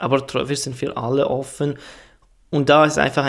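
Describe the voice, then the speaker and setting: In a fairly high pitch, a man speaks with monotone, flat intonation. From northern Syria (Kurdish). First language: Kurdish or Arabic (speaking German). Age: 20s. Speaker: refugee integration worker. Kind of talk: interview. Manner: halting.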